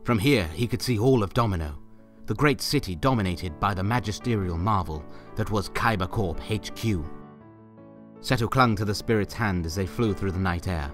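A man with a lowish voice narrates a story. His delivery is theatrical and wry, full of ornate phrasing. Soft music sits faintly behind him. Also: moderate pace.

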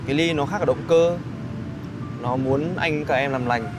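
An actor with a Northern Vietnamese accent playing a stubborn, defensive young boyfriend in a TV drama. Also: male voice, on the high side, moderate pace, over music, close to an everyday voice. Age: 20s. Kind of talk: screen drama dialogue. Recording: clear street noise behind.

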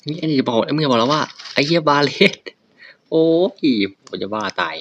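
A man giving loud, excitable and profane commentary while playing a video game. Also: on the high side, fairly quick, highs cut off, slight background noise. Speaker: gaming streamer. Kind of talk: casual gameplay commentary. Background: faint birds chirping.

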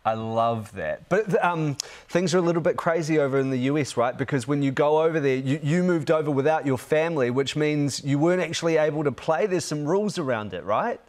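On a breakfast television interview, a TV news presenter in his thirties keeps the mood upbeat and conversational. His slightly high, darkish voice moves fairly quickly with few pauses, recorded on a lapel mic in the studio.

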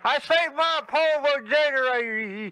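A man's voice: very high voice, normal speed, pushed and bright, dry recording, rough recording. A man voicing a stuttering old Georgia redneck in a wheelchair, with a Southern accent and a heavy stammer. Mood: sputtering, angry. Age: older. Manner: heavy stutter, repeats words. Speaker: prank caller.

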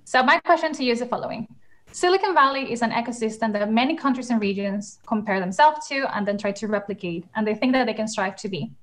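A woman's voice: a little high, quick pace. Upbeat young woman moderating a call. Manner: upbeat, enthusiastic, many fillers. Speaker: panel moderator. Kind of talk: hosting a video panel. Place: home room, in England. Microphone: video call.

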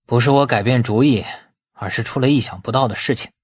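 A male narrator plays a patient young son in an audiobook drama. He reasons conversationally with his mother in a mid-pitched, husky voice, captured dry. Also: fast talker, dry recording, close to an everyday voice. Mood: patient explaining. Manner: explanatory, conversational.

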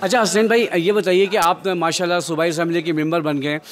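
A man's voice: high-pitched, fairly even intonation. A man hosting an on-location interview outdoors near a shrine, formal and devout in his greetings, asking long questions. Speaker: interviewer and host.

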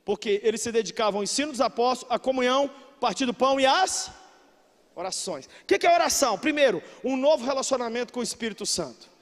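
A Brazilian man with a Brazilian Portuguese accent preaching a sermon as pastor, emphatic, breaking into shouts and then dropping low. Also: lively intonation, fast. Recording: long reverb of a large hall.

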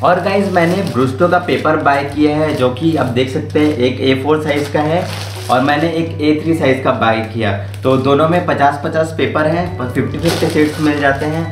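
A man's voice: on the high side, echoey room. A young man in his twenties from central India, chatting casually as he hosts a vlog about the art supplies he bought. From Raipur, Chhattisgarh, India. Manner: chatty and informal, mixing English words into Hindi. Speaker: art channel host. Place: small room with art supplies, indoors.

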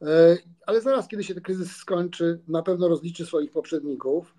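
Mellow-voiced man on a video call. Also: on the high side, fairly even intonation, normal speed. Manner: confident but stumbling, many restarts. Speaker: commentator. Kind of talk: political panel discussion. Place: room with a patterned wall mural.

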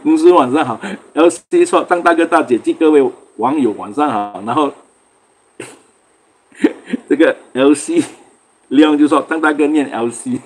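Man from singapore, livestream host, husky voice, chatty, greets viewers, laughs a lot. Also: fairly high pitch, a little slow, pauses often. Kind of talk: casual livestream chat.

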